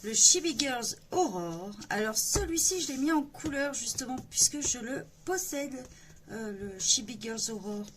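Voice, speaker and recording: Casual coloring channel lady, kinda high voice, lots of umms, slight background hum. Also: expressive, measured pace, fairly bright tone. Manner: chatty, hesitant with many fillers. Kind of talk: casual book flip-through.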